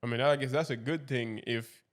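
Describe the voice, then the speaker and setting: A man's voice: medium pitch, steady tone, brisk. A man hosting a casual podcast interview, asking long, rambling questions with restarts. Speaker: podcast host.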